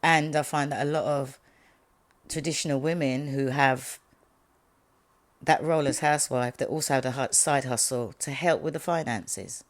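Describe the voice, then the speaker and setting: A woman's voice: very deep voice, moderate pace. A woman guest in a casual interview, blunt and opinionated.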